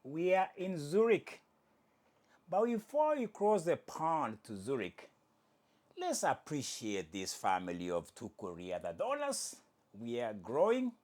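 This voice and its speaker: Fairly high-pitched and unhurried, the host of an informal sports commentary show talks with animation and humor. Swahili is his first language, and he often stops to correct himself.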